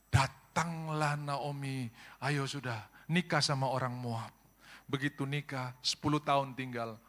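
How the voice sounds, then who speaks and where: A middle-aged male pastor preaching a sermon, telling stories with humor and acting out voices, often calling out to the congregation. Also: a bit bright. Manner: humorous storytelling, acts out voices with big pitch jumps; addresses congregation as brothers and sisters.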